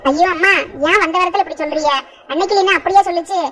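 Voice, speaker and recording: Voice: very high-pitched, steady tone, fast talker, sharp tone. A voice actor playing a young village husband in a cartoon, pleading with his mother and wife to stop quarrelling. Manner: pleading and soothing with rural speech. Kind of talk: cartoon voice acting.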